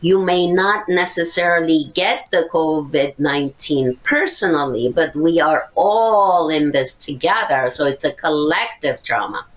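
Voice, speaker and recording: An older woman speaks in a low, unhurried voice. She lays out her points one by one, earnest and methodical, like a therapist guiding a listener through a subject. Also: rough recording. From Syria. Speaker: psychotherapist guest. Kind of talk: podcast interview, explaining.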